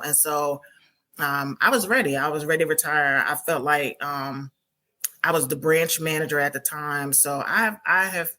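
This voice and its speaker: A woman in her forties talks through her years as a soldier in a low, bright, forward voice. She tells her story reflectively, pausing with fillers and restarting phrases as she goes. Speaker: podcast guest, Army combat veteran and author. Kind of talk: conversational interview.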